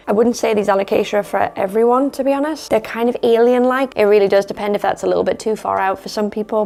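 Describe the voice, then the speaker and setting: A plant vlogger, indoors at home and losing her voice, gives a casual, rambling talk to camera about her plants and keeps correcting herself. Her medium-pitched voice is gravelly yet a little mellow.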